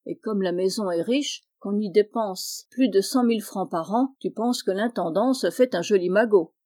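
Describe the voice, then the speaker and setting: A woman's voice: medium pitch, normal speed, dark tone, lightly acted. A woman voicing a boastful, scheming young man in a storybook reading, smug and offhand.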